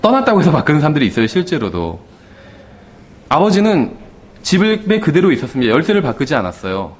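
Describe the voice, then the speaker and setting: Male pastor, sermon delivery, high and lively voice, talks with the congregation. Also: fast. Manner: conversational, asks the congregation questions; acts out quoted lines of the father and son.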